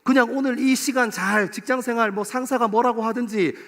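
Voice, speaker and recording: A pastor in his forties preaching to a young adults service in a church, playful and lively, acting out little scenes. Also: very high voice, brisk. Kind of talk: sermon. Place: church sanctuary. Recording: long hall reverb.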